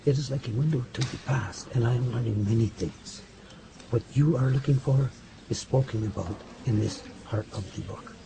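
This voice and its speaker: A man's voice: medium pitch, gravelly, natural voice. A man playing a wise Native elder. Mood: solemn. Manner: measured, teasing, solemn. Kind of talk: hobby radio drama acting. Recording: noisy home recording.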